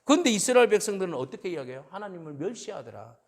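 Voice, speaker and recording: A man's voice: high-pitched, sing-song, very fast. A male pastor preaching a sermon, asking the congregation questions and speaking God's words in quotes. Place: church sanctuary. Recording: long church reverb.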